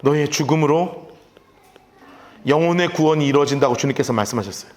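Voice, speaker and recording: A man's voice: a little high, fairly quick. A man preaching a sermon as pastor, telling the story dramatically and speaking directly to the children in the room.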